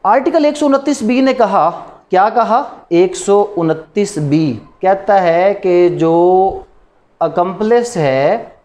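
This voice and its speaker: A man's voice: high-pitched, lively intonation, takes it slowly, a little mellow. A man with a Pakistani accent giving a classroom lecture, didactic, repeating points and posing rhetorical questions. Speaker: law lecturer. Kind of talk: classroom lecture mixing Urdu with English legal terms.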